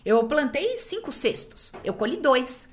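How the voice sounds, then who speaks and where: Brazilian woman podcast host, rather high and very animated voice, quick emphatic delivery. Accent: Brazilian Portuguese. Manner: expressive, emphatic storytelling. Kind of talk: casual chat.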